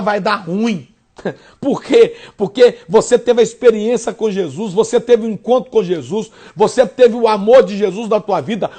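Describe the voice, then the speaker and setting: A man with a Brazilian Portuguese accent preaching a sermon on the radio, repeating phrases in rhythmic runs and swinging from loud peaks to hushed lines. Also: high voice. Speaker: pastor.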